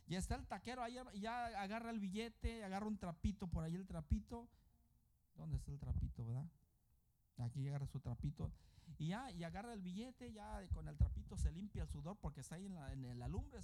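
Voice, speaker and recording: A male pastor delivers a sermon in a high, gravelly voice. His tone is dark and mellow, and he preaches emphatically, rising and falling between loud and soft while he calls out to the congregation.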